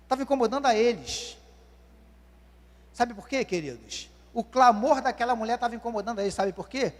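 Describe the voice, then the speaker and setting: A man's voice: extremely high pitch, fairly bright tone. A man, preaching a sermon and questioning the congregation as "dear ones". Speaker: pastor. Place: church hall. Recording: long church hall reverb.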